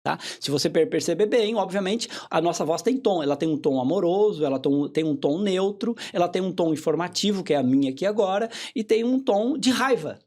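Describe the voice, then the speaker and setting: A man, a hypnotherapist guest on a podcast interview, explaining in a calm, teaching way and often checking in with short tag questions. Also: high voice, a little fast, few pauses.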